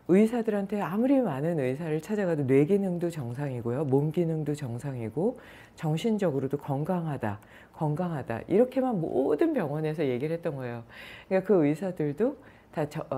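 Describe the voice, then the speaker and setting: Yoga teacher lady, low dark voice, soft and unhurried, telling a story. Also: husky. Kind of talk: storytelling talk.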